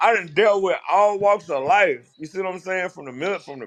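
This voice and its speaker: A raised, projected voice with a bright, sharp tone at a fairly quick pace. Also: man. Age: 40s. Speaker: panel guest, military veteran. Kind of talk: casual discussion.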